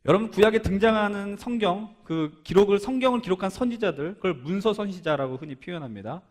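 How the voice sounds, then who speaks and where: Male pastor, sermon, fairly high voice, rhetorical questions, acted-out prayers. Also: expressive, fast talker, big-room sound. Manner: rhetorical questions to the congregation, dramatic quoted prayers. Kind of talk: sermon to a young adults' service.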